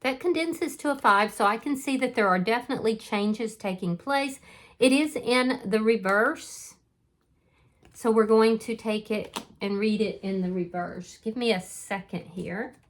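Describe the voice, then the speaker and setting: A woman's voice: a little high, a little slow. A woman giving a casual spoken tarot reading, talking straight to the viewer in an earnest, reassuring way, with frequent fillers and restarts. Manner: speaks directly to the viewer. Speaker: tarot reader.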